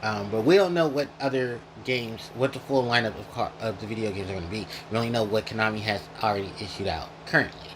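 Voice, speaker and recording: A man's voice: lowish voice, fast talker, hardly any pauses, noisy background. A man hosting a casual gaming retrospective, rambling and correcting himself as he goes, chewing while he talks. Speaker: gaming video host.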